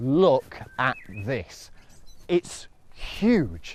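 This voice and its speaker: A man speaks with lively intonation and a touch of vocal fry. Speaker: wildlife TV presenter. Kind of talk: TV presenting to camera. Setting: outdoors in a garden. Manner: quiet.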